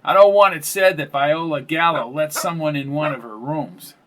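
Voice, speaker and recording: A man's voice: fairly high pitch, moderate pace, background noise, lightly acted. A man voicing a blunt, foul-mouthed older landlady who gossips and curses freely. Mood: brash.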